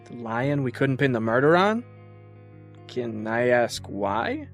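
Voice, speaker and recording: A man's voice: mid-range voice, very animated, takes it slowly, creaky, faint music behind, heavily acted. An actor playing a young police officer who banters and jokes around with his colleagues. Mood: casual. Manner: playful, mock-archaic jokes.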